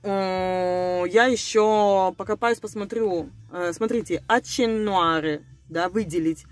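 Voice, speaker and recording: A woman's voice: mid-range voice, takes it slowly. A woman talking casually and conspiratorially to her viewers, rambling and hesitant, breaking off words and repeating them as she chews over word roots aloud. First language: Russian. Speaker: video blogger. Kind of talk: casual speculative monologue to viewers.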